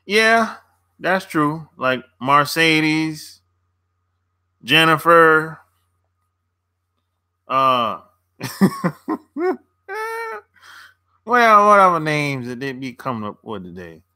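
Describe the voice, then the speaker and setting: A man's voice: a little high, sing-song, very slow, pauses often, sharp tone, clear, resonant tone. A man hosting a casual livestream, answering viewer comments in a laid-back, slangy way and laughing often between remarks. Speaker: dating coach and channel host.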